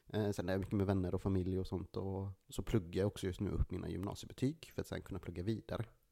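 A man with a very deep, low pitch and a dark, mellow tone talks at a very fast pace. He keeps his intonation fairly even and hardly pauses. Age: 20s. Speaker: podcast guest. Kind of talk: casual chat.

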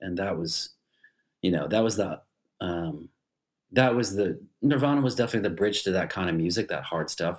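In an American accent, a man with a fairly low pitch and lively intonation speaks at a fairly quick pace, broken by long, frequent pauses. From Western Massachusetts, small town. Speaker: touring punk musician. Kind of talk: casual chat.

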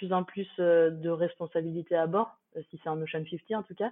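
Very slow speech from a woman, fairly low in pitch, with ordinary pitch variation. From France, Nantes. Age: 30s. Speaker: sailor. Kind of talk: interview. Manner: halting, many repetitions.

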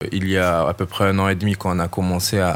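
Pitched very deep and low, a man talks at a fairly quick pace, his intonation fairly even. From French Guiana. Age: young. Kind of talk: interview. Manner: halting.

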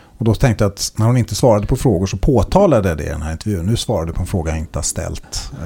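Very fast and somewhat breathy, a man talks in a fairly low pitch with a dark, mellow tone and ordinary pitch variation. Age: 40s. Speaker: journalist. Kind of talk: casual chat.

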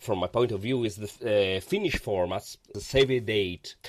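A man with an Italian accent at a moderate pace, in a very clean recording with a silent background. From Italy. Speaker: format creator and lecturer. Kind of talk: interview, casual chat. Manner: halting, hesitant English.

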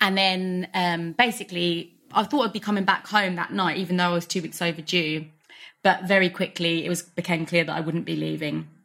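Speaking at a fairly quick pace with a British accent, a woman uses a fairly low pitch, fairly even intonation and a bright, sharp tone on a very clean recording with a silent background. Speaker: author and mental health advocate. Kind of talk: casual chat.

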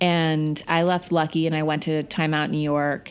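A woman with a Northwest US accent speaks at a moderate pace with fairly even intonation and a very deep, low pitch. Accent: American (Northwest). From Montana, US. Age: 30s. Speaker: media executive. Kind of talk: casual interview.

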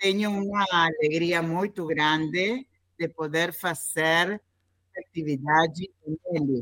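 A woman with a Spanish accent speaks at a very slow pace and a fairly low pitch with ordinary variation. The sound is dry and close, with no echo. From Argentina. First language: Spanish (speaking Portuguese). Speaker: retiree, Portuguese language learner. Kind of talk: casual conversation practice. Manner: halting.

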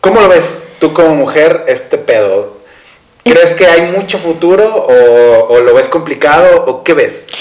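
A man talks at a fairly slow pace with very even loudness. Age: 30s. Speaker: podcast co-host. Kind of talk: casual interview.

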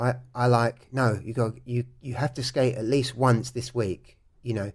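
A man with an English accent at a fairly slow pace. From southern England, Hertfordshire. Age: 40s. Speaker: skateboarder and artist. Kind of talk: casual interview chat. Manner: halting, many fillers and restarts.

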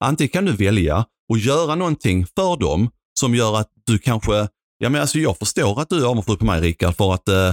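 In a normal speaking voice, a man talks at a moderate pace with a fairly low pitch and lively intonation, the sound dry and close with no echo in a very clean recording with a silent background. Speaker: podcast co-host. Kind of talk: casual chat.

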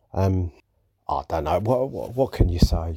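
The voice has a dark, mellow tone. The sound is dry and close, with no echo. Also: man. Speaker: caller, football fan. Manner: gloomy, rueful.

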